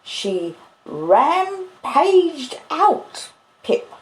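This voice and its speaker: Woman acting out big childlike country blacksmith, drawn-out confiding delivery, lively swooping pitch, storybook character, echoey room. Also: full character voice. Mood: grave. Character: gentle, simple-hearted country blacksmith, a big childlike man.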